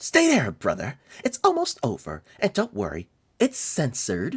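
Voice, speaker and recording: Using a put-on character voice, the man delivers his lines at a moderate pace. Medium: read story. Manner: soft-spoken.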